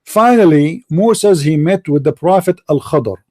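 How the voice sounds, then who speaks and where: A man's voice: fairly high pitch, lively intonation, normal speed, a little mellow. A man with an Arabic accent, a native Arabic speaker, hosting a heated religious debate in a confrontational, insistent way, repeating his phrases and questions. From Middle East.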